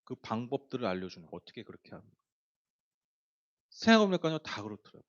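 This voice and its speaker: A man's voice: mid-range voice, big pitch swings, fast, highs cut off. A man preaching a sermon, telling a story in a chatty way with many fillers and speaking directly to the congregation. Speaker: pastor.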